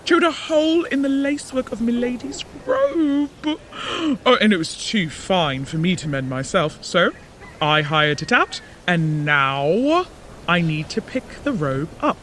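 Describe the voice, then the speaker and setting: A man's voice: high voice, big pitch swings, unhurried, a bit bright, slight background noise, heavily acted. A man playing a carefree, forgetful palace servant in an audio drama, chatty and rambling. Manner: breezy, rambling.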